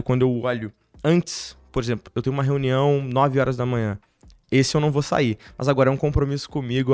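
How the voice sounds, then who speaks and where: A man's voice: mid-range voice, darkish tone, no room sound. A man in a casual chat, speaking in a reflective, casual way.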